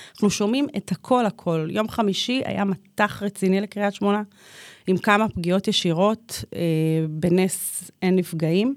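In a dry, close recording with no echo, a woman with a medium pitch talks at a fairly slow pace with ordinary pitch variation. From northern Israel, Kiryat Shmona. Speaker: school matriculation coordinator and graduate student. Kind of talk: interview.

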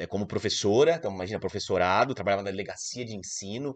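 Very fast speech from a man, with ordinary pitch variation, comes over a quiet background. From Brazil, São Paulo state (Amparo). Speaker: sales trainer and author. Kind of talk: interview.

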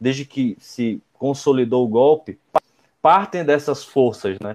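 A man's normal speaking voice, medium in pitch, at a fairly slow pace. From Maceió, Alagoas (Brazilian Northeast). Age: 20s. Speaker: youth political activist. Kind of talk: political discussion.

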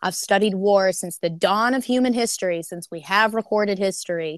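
Speaking with an Arkansas accent, a woman keeps a moderate pace. Her pitch is medium, with ordinary pitch variation. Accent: Southern US, Arkansas twang. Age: 20s. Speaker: entertainment industry founder and producer. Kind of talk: casual interview chat.

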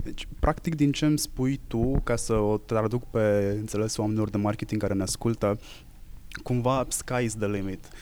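This man has an unremarkable speaking voice, fairly low in pitch with ordinary variation, at a moderate pace. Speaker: podcast host. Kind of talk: casual interview. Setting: outdoors on a terrace.

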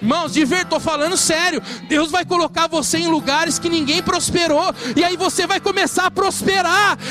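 Against noticeable background noise, a man with an extremely high pitch uses a raised, projected voice at very even loudness, speaking at a moderate pace with ordinary pitch variation. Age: 30s. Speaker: pastor. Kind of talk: sermon. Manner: animated.

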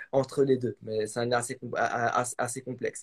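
A man speaks at a moderate pace in a somewhat breathy voice, recorded dry and close with no echo. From France, raised from age 5 (born in Fès, Morocco). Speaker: maths educator and aeronautics materials engineer. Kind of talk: casual interview chat.

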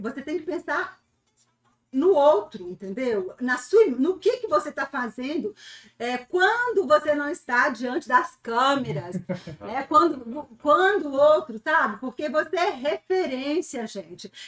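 A woman with a Minas Gerais accent talks at a high pitch and a fairly slow pace. Her pitch swings very widely. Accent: Minas Gerais (mineiro). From Minas Gerais, Brazil. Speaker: digital influencer. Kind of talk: casual interview. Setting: radio studio.

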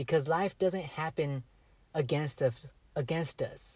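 A man speaks at a fairly slow pace in a fairly high pitch, a normal speaking voice. The recording is very clean, with a silent background. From Mexican-American family, USA. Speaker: self-help podcaster. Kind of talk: motivational monologue. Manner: earnest, reflective.

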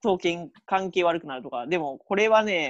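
At a moderate pace, a woman talks at a medium pitch in a dry, close sound with no echo. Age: 40s. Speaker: guest, divorced woman living alone. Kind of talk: casual chat.

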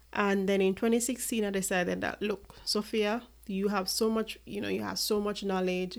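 At a moderate pace with hardly any pauses, the flat, monotone delivery sits on a very clean recording with a silent background. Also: woman, medium pitch for a woman. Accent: Jamaican. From Jamaica, inner-city Kingston. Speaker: podcast host. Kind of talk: personal storytelling monologue.

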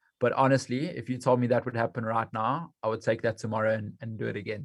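A very fast, somewhat breathy male voice at medium pitch, with fairly even intonation. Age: 30s. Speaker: amateur runner. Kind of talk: casual chat.

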